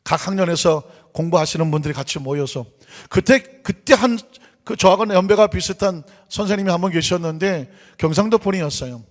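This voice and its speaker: A man's voice: sits high, animated, a little fast. A man pastor preaching a sermon in a church, putting rhetorical questions to the congregation and answering them himself. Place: church sanctuary. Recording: long church hall reverb.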